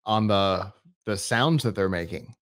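Man, host, somewhat low voice, relaxed, conversational, restarts, studio mic. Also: unhurried. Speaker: tech show host. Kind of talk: interviewing a guest. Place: studio with a screen behind.

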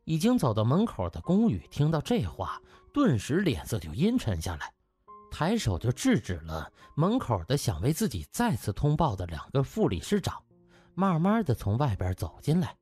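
A man's voice: medium pitch, huge pitch swings, moderate pace, a little mellow, husky. A man narrating an audiobook in a dramatic, scripted storytelling style. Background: faint music.

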